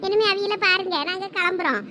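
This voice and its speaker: A woman's voice: very high-pitched, heavy background noise. A woman voicing a protective, outspoken middle-aged village mother in a cartoon, with a Thoothukudi Tamil accent and a scolding manner. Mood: chatty. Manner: scolding, quick retorts. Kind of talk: cartoon voice acting.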